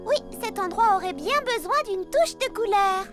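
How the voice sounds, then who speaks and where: A woman's voice: very high-pitched, lively intonation, normal speed. A woman playing a cheerful, eager little girl in a French-dubbed children's cartoon, bubbly, earnest and encouraging. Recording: loud cartoon music behind voice.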